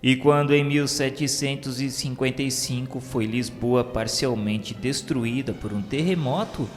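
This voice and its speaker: A man's voice: mid-range voice, a little slow. A Brazilian man reads a scripted radio novela narration in a solemn, formal, declamatory manner. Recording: long reverb, music behind. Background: music.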